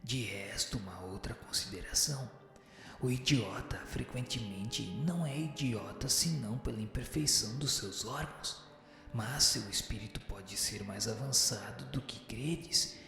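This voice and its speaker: Solemn wise spirit voiced by an actor, breathy n formal, huge echoey reverb, music behind, radio play. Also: mid-range voice, a bit bright. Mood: solemn, instructive. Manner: formal, measured, didactic. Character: solemn, learned spirit answering questions as a teacher. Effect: long cavernous reverb. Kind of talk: scripted radio drama reading. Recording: heavy echo and long reverb.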